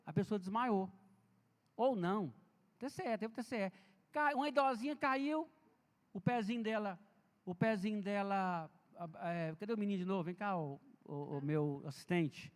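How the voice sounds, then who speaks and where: A man with a notably high voice gives a chatty, story-filled seminar talk, speaking directly to the listeners. His voice rings with a long reverb off the walls of a large church hall. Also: normal speed. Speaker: health and safety speaker. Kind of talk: informal seminar lecture.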